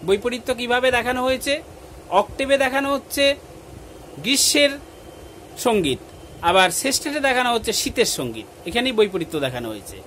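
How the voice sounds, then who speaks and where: A male teacher giving an exam-prep literature lesson, slowly dictating answers in English and explaining them in Bengali. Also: very high voice, animated, fairly bright tone, slight background noise.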